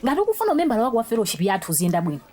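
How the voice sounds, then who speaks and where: A woman's voice: fairly high pitch, wildly swooping pitch, racing, mellow. An actress playing a scornful young pious female student in a radio drama, with a Malawian accent and a blunt, scolding, mocking way of talking. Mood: stern, dismissive.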